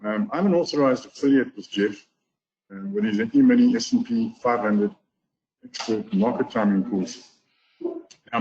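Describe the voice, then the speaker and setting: A man's voice: mid-range voice, a little mellow. South African man on a lo-fi webinar line. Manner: earnest, repeats words as he restarts. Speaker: guest speaker, golf teacher. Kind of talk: webinar testimonial talk. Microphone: online call mic. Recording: lo-fi webinar audio.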